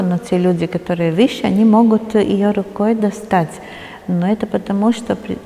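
A woman's voice: fairly low pitch, dark tone. Woman tour guide in a reverberant hall. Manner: hesitant non-native Russian phrasing. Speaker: museum guide.

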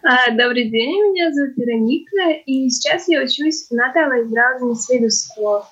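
A woman's voice: high voice, normal speed, a bit bright, husky, dull audio. A teenage girl, a student guest talking eagerly and casually with some fillers. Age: teens. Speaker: guest, high school student. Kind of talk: casual talk.

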